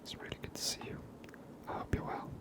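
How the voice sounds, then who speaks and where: A gamer giving gentle, hushed ASMR commentary over a video game, whispered close to the microphone. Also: quick pace. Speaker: ASMR gamer, channel host.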